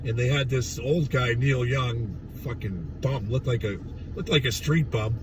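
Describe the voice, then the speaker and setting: A man with a raspy voice gone hoarse from days of yelling, ranting bluntly and profanely on a casual livestream from inside his truck. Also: mid-range voice, unhurried, recorded from a distance, background noise. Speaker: livestreamer at a protest. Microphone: phone.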